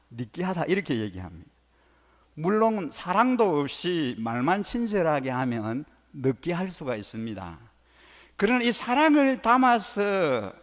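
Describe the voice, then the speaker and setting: A man preaching a Sunday sermon with a lively, widely varying pitch. His voice rides a little above the usual male register. The sanctuary adds a long, ringing reverb to every phrase. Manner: lively preaching with dialect imitations. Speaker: pastor. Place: church sanctuary. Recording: reverberant church hall.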